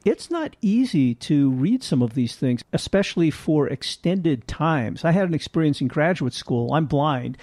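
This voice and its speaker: A man's voice: on the high side, vocal fry, mellow, no room sound, clean studio sound. A man hosting an interview, asking curious questions and sharing his own stories. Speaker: interview host.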